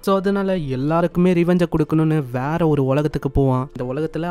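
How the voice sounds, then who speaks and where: A man's fairly high voice, dark and mellow, with fairly even intonation. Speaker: anime story explainer. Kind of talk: casual anime plot recap narration.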